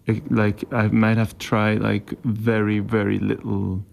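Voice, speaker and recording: A Swiss German-speaking man, a musician, answering interview questions in a halting, casual way with many restarts. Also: lowish voice, completely flat delivery, vocal fry, a little mellow. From Switzerland. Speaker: musician guest.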